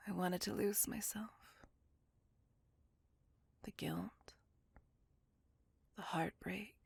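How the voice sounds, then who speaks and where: A woman voicing a brooding, possessive female vampire in a whispered ASMR roleplay, speaking in a soft, breathy, gravelly whisper close to the mic. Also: mid-range voice, fairly even intonation, very slow, dry recording, heavily acted. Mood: brooding confessional. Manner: soft confessional whisper throughout.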